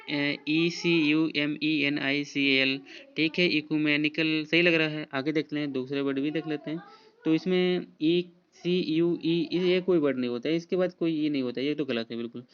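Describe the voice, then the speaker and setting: Guy teaching spelling, reads out letters one by one, kinda high smooth voice, dull lo-fi audio. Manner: spells out words letter by letter, many fillers. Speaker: exam prep teacher. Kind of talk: spelling quiz walkthrough. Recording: dull lo-fi voice recording.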